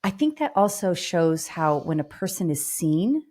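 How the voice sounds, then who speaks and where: A woman's voice: fairly low pitch, very animated, unhurried, dark tone. A woman co-hosting a conversation about literature, reflecting thoughtfully on what is read. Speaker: co-host.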